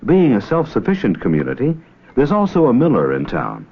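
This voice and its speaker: This narrator has a medium-pitched, slightly rough voice with huge swings in pitch and a fairly quick delivery. He reads educational documentary script, preserved on a faintly noisy, muffled 16mm film soundtrack.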